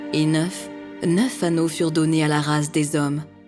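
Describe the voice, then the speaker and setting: A woman's very deep, low voice with ordinary pitch variation over music in the background. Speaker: voice-over artist. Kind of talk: narration demo, epic fantasy story prologue.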